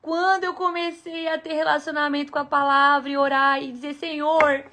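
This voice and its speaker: A woman preaching an earnest devotional sermon to wives, emphatic and sometimes dropping to a hushed tone. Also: sits high, level tone, brisk.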